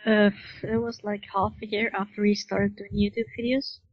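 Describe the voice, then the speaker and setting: Even-toned woman, lo-fi audio. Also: mid-range voice, moderate pace, no echo. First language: Dutch. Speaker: podcast guest, forum admin. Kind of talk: casual interview chat.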